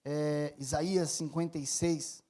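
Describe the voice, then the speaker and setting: High-voiced Brazilian pastor preaching. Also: male voice, little pitch movement, measured pace. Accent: Brazilian Portuguese. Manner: personal storytelling, swings from soft confession to loud emphatic preaching. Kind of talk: sermon.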